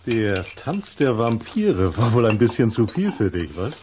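A man's voice: medium pitch, big pitch swings, a little slow, darkish tone, a little hiss or hum. An actor playing a teasing, good-humoured father in a children's radio play.

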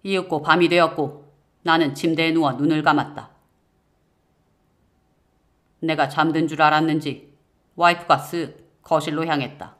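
A man narrating a first-person horror-mystery audiobook in a measured, suspenseful way. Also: on the high side, fairly even intonation, a bit bright.

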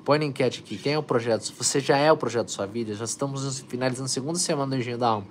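A man coaches viewers through a motivational live stream, energetically urging them on and reading their comments aloud. His voice sits mid-range and he speaks at a racing clip, with a little hiss or hum in the background.

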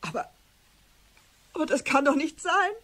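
An actress playing an earnest, emotional female bookkeeper in a radio play, speaking in a halting, dramatic way with a husky voice. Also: high-pitched, sing-song, fairly bright tone. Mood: shocked. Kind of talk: German radio play acting.

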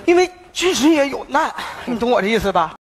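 An actor playing a drunken, self-pitying big brother in a stage comedy sketch, slurred and repetitive with overwrought declaiming. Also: male voice, extremely high pitch, very animated, brisk, heavily acted. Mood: maudlin, pleading. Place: large indoor TV stage. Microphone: headset. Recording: noisy theatre stage with studio audience.

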